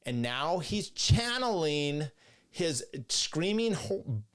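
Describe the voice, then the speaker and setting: A man's voice: on the high side, sing-song, slow pace, fairly bright tone, smooth. Blunt mocking man reacting to clips. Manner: blunt, mocking, laughs often. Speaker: host. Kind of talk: casual commentary on debate clips.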